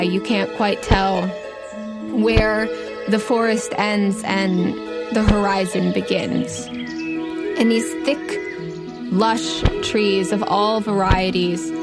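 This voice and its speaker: A woman hosting and narrating a tabletop adventure game as its game master. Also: mid-range voice. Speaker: game master and podcast host. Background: music behind the voice.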